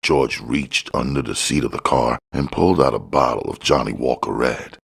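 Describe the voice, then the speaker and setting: A man's voice: very deep voice, moderate pace, vocal fry, fairly bright tone, slightly rough. A man reading crime fiction aloud as scripted audiobook narration.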